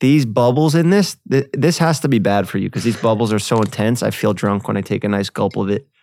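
A man with an unremarkable speaking voice talks at a fairly quick pace and medium pitch, with lively intonation and hardly any pauses, in a very clean recording with a silent background. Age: 30s. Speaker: podcaster and barbershop show host. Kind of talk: casual chat.

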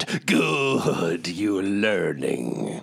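The voice is a raspy, put-on character voice. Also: man, fairly low pitch for a man. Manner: flattering, coaxing, tempting.

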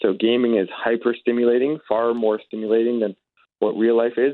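With a Canadian accent, a man speaks fairly quickly at a medium pitch in a plain, everyday voice. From Canada, Calgary. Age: 20s. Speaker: founder of gaming addiction support group. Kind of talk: phone interview. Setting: phone call.

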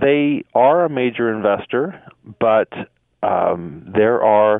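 With a Canadian accent, a man of medium pitch talks at a very slow pace, his intonation lively and his pauses long and frequent.

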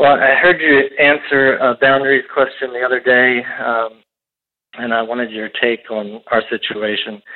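Using an ordinary speaking voice, a man of medium pitch speaks at a moderate pace. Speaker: caller. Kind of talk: phone-in conversation. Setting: phone call.

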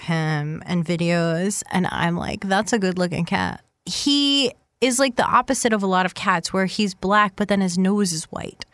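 Using a normal speaking voice, a woman with an American accent speaks at medium pitch and a moderate pace with ordinary pitch variation. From Omaha, Nebraska. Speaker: podcast co-host. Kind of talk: casual chat.

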